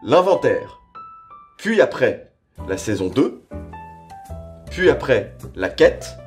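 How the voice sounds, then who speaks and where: A man's voice: medium pitch, very animated, slow pace, faint music behind. A man giving a slangy, casual spoken review, rambling conversationally and repeating himself for emphasis. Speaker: reviewer presenting audio series.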